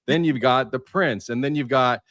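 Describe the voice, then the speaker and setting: A man's voice: mid-range voice, normal speed, a bit bright, no room sound. A man talking casually as a panelist in a livestream roundtable discussion.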